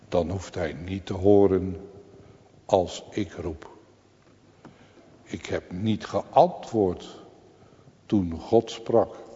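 A man preaching in a church, solemn and deliberate, with a low, mellow voice. He speaks very slowly, and his words sometimes swell into fervent cries. The recording is dull and lo-fi, with a long reverb trailing after each phrase. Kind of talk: sermon.

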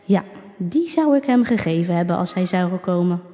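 A woman voicing a gentle, lonely old male shoemaker who sighs and muses to himself, read as a storybook character. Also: on the low side, animated, normal speed, soft background music, close to an everyday voice. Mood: wistful. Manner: sighing, musing to himself. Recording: dull recording with long reverb.

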